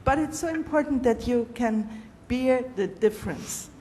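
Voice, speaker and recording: A woman's voice: a little high, moderate pace, a little mellow. A middle-aged woman speaking earnestly on a conference panel, restarting words as she goes. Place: large conference hall stage. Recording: long hall reverb, faint noise.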